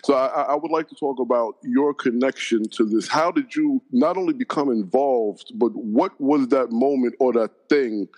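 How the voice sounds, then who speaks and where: Man, mid-pitched voice, podcast host, formal, deliberate, restarts. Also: darkish tone. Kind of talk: interview questions.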